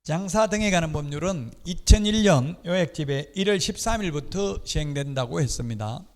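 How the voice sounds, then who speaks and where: A middle-aged man teaches real estate law in an exam-prep lecture. His voice sits a little high, and he explains patiently with offhand personal remarks. The recording carries a long reverb, as in a lecture hall. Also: expressive, normal speed. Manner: explanatory, with casual personal asides.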